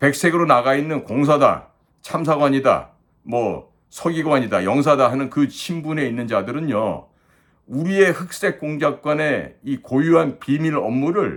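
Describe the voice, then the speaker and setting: A man talks fairly slowly in an animated tone. His pitch is fairly high, with ordinary variation. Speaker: YouTube political commentator, former intelligence officer. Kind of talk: political commentary monologue. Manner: animated, indignant.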